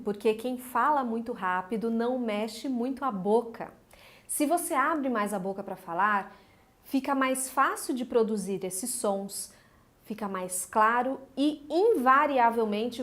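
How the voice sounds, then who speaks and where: A woman from Minas Gerais with a Mineiro accent, giving a lively, emphatic video lesson as a speech coach, with humorous asides. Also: fairly high pitch. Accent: Mineiro Brazilian Portuguese. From Minas Gerais, Brazil.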